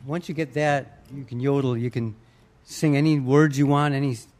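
A man's voice: medium pitch, steady tone, normal speed, darkish tone. A man, a singer and yodeler, chatting casually in an interview and explaining his technique, breaking into short yodel demonstrations.

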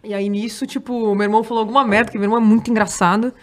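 A man's voice: sits high, flat delivery, rapid-fire. A man hosting a casual chat, telling an anecdote and acting out the voices in it. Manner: storytelling, acts out voices and shouts.

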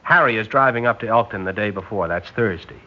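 A man playing a smooth, sarcastic spy who plots behind a friendly face, his voice sitting a little low. The sound is a dull, lo-fi vintage radio broadcast with a muffled top end. His delivery has the polished timing of an old radio drama. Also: fairly quick, lightly acted. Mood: scheming. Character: scheming male spy posing as a loyal engineer. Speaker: scientist on a secret propulsion project. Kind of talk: 1950s radio drama acting.

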